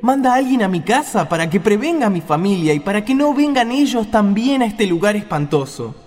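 A man's voice: high voice, big pitch swings, brisk, darkish tone, in a large hall, faint music behind, voice pushed up. A man playing a tormented rich man who pleads in anguish from the flames, in a radio play. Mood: tearful pleading.

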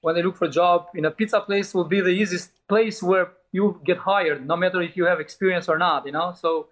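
Middle-aged albanian guy being interviewed, highish voice, says you know a lot, casual. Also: fairly even intonation, fairly quick, fairly bright tone. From Albania and Italy. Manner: frequent "you know" asides, non-native phrasing. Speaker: guest, pizzeria owner and chef.

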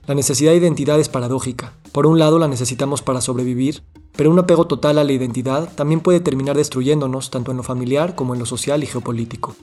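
A man's voice: medium pitch, fairly even intonation, fast talker, a little mellow, faint music behind. A man hosting a podcast, reading the guest's introduction and asking curious, friendly questions. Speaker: podcast host.

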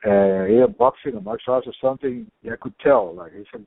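A man from Cuba, talking in animated casual chat, swearing freely and using many fillers. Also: mid-range voice, quick pace, creaky, no room sound. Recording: tinny phone-like line.

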